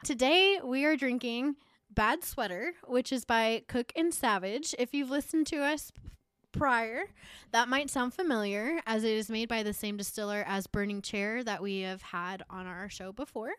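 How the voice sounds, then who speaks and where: A woman's voice: a little high, normal speed, a bit bright, clean tone, no room sound. A woman co-hosting a sports podcast in a casual, conversational style. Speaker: podcast co-host. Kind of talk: casual fantasy football podcast chat.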